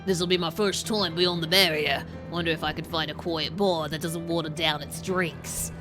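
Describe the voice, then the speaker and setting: A woman's voice: low-pitched, steady tone, moderate pace, music in the background, pitched below the performer's own voice, close to an everyday voice. A woman voicing a wry, down-to-earth adventuring man in a video game, with a dry, teasing delivery.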